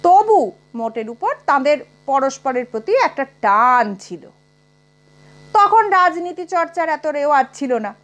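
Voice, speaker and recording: A woman narrating a comic short story aloud in an expressive, unhurried manner. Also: high-pitched.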